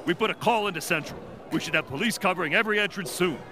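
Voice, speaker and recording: An actor playing a brisk, deferential policeman reporting to his superior in a pulp radio drama. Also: sits high, noisy background, close to an everyday voice. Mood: brisk, dutiful.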